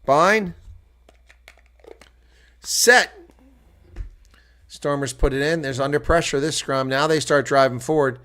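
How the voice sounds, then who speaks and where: A man's voice: medium pitch, steady tone, brisk, hardly any pauses, a bit bright. An American man giving live rugby play-by-play and reactions, chatting with viewers as he goes. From United States. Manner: chatty, talks to viewers while calling play. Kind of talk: solo live rugby commentary.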